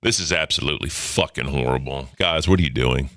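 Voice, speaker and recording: A deep-voiced man in his thirties hosting a livestream, talking casually in a blunt, profane, rambling way. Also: fairly quick, fairly bright tone. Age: 30s. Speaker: livestream host. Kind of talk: casual chat.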